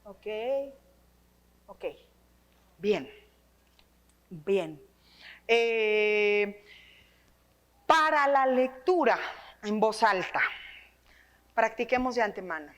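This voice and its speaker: A woman with a Mexican accent leads a teachers' workshop on reading aloud, speaking into a microphone at a medium pitch, extremely slowly and with long pauses. Her trained, projected voice stays lively, and she often checks in with listeners by tagging phrases with questions.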